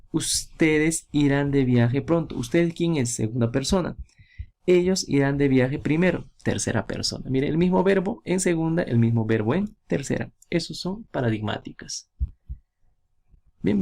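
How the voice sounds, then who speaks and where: A man's voice: on the high side, animated, moderate pace, vocal fry, a little mellow. A man teaching a grammar lesson, explaining with examples and asking checking questions.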